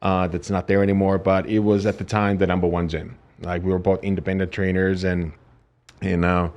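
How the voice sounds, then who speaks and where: A man with a Finnish accent, a fitness trainer and podcast guest, telling a story haltingly with many pauses. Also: low-pitched, little pitch movement, darkish tone, lo-fi sound. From Finland. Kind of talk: casual interview chat.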